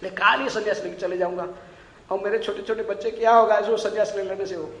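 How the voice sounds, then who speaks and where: A man doing the voice of a harried young wife, pitched very high with urgent pleading. The voice rings out through a roomy hall with a long reverb tail. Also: fairly even intonation, fast talker, natural voice. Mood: complaining. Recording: echoey lecture hall.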